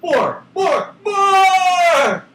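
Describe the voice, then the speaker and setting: A man voicing an excitable, greedy, skeptical cat from a children's storybook, in an eager, exclaiming manner. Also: very high-pitched, drawn-out words, raised voice, very noisy, pitched above the performer's own voice, exaggerated voice. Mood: greedy excitement. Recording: echoey room, distant from microphone.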